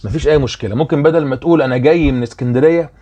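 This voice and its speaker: A man's voice: mid-range voice, very fast, warm tone, husky, highs cut off. A young man with an Egyptian Arabic accent, explaining a worksheet as a German teacher in a chatty way and often checking that students follow.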